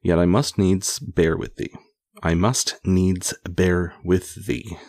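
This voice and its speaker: A man's voice: sits low, measured pace, no room sound, clean studio sound. A man voicing a haughty, jovial medieval bishop from a storybook, with grand archaic phrasing. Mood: stern.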